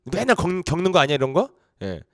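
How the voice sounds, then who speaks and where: A middle-aged man preaching a sermon to teenagers, casual and animated, acting out the voices of people in his stories. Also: on the high side, quick pace, no room sound, clean studio sound. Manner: lively, acts out quoted voices. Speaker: pastor. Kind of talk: youth sermon.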